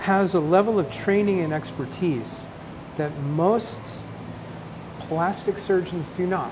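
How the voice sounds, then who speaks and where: Against noticeable background noise and audible room echo, a man speaks at a fairly slow pace. His pitch varies in an ordinary way. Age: 60s. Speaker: patient, retired physician. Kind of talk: interview testimony.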